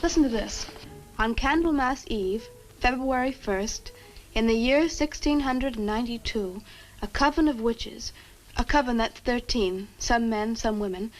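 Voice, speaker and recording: A woman's voice: fairly high pitch, natural voice, rough recording. An actress playing an earnest, curious young woman student in a horror film, polite and articulate. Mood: eager, fascinated. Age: young adult. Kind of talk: 1960 horror film acting. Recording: old film soundtrack with music.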